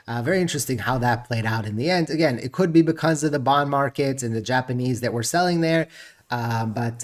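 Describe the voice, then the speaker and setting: A man hosting a casual crypto market video, chatty and rambling with jokes, sounding stuffed up. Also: mid-range voice. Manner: chatty, rambling, jokey with frequent laughs.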